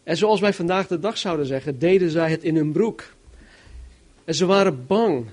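A man preaching a sermon, reading Bible verses and explaining them in an animated, emphatic way, swinging between loud and soft. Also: a little high, moderate pace. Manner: animated, emphatic, varies loudness widely.

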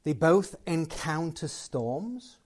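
A man's voice: on the high side, animated, takes it slowly, darkish tone. A man giving a closing sermon and prayer to a live gathering, conversational and building to emphatic points. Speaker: guest preacher.

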